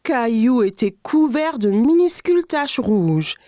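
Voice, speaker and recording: Animated woman narrating a children's story. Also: a little high, takes it slowly, no echo, clean studio sound. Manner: storytelling, clear simple phrasing for children.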